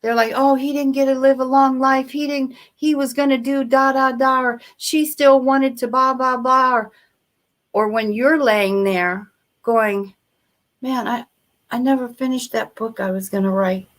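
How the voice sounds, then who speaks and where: Woman guest w a kinda high voice, tells stories theatrically, motivational chat. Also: fairly even intonation, unhurried. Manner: theatrical storyteller who acts out quoted reactions. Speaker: podcast guest, motivational speaker. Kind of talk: animated anecdote and motivational talk.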